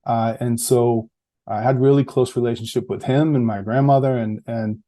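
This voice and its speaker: A middle-aged man with a central Massachusetts accent, a guest in a casual interview, talking reflectively and easily with fillers and soft laughs. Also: mid-range voice, steady tone, moderate pace. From Massachusetts, USA. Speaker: podcast guest, public health researcher.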